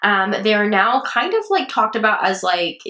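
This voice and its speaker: A woman's voice: medium pitch, very animated, normal speed, pushed and bright. A young woman hosting a true crime podcast, chatting casually with many ums and restarts, her voice a little strained from getting sick. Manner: chatty, rambling, with many ums and self-corrections. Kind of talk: casual chat. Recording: echoey room.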